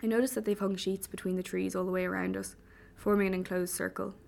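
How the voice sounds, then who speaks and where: Gravelly-voiced woman reading a story. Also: mid-range voice, little pitch movement, quick pace, darkish tone. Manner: wry, vivid storytelling. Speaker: audiobook reader. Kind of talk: first-person audiobook narration.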